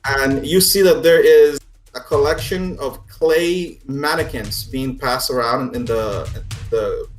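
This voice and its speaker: A man narrates a tabletop game as game master in a mid-pitched voice. He explains scenes in a halting, conversational way, recorded in a roomy, echoey space with soft music underneath. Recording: echoey room.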